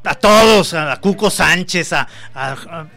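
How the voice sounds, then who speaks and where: A man's voice: on the high side, lively intonation, unhurried, creaky, pushed and bright. Teasing mexican man, casual swearing, light music under it. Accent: Mexican Spanish. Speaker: podcast co-host. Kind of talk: casual chat.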